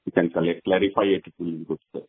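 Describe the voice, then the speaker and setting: A man speaks deferentially in a low, rough-edged voice. He is heard through the thin band of a phone line. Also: little pitch movement, quick pace. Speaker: call participant asking questions.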